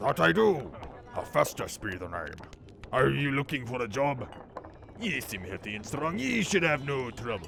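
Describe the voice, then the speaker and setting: Using a put-on character voice at a medium pitch, a man speaks at a moderate pace over clear background noise. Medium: audio drama.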